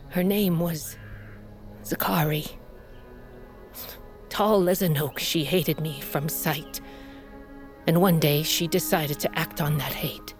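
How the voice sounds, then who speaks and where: A fierce, aging tribal queen who has fought her way to the throne and now speaks to her daughter in a grave, measured manner. Her voice sits low and unhurried, and she is weakened and coughing from sickness. This is an audio drama performance with a soft music bed. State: sickly, coughing.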